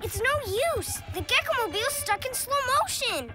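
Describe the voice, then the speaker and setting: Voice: very high-pitched, big pitch swings, normal speed. A performer voicing an earnest, eager, easily distracted little boy superhero in a children's cartoon. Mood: dejected. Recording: loud music behind voice.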